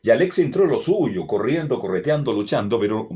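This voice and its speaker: A man commenting on a sports panel, mid-pitched, with a calm, weighed delivery. He stacks his points one after another. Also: brisk. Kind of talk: casual sports panel chat.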